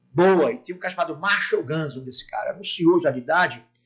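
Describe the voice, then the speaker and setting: A man's high voice moves fairly quickly, its pitch varying in an ordinary way. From Brazil, Fortaleza (Ceará). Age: 40s. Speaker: former politician. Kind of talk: podcast interview. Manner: fast, runs words together.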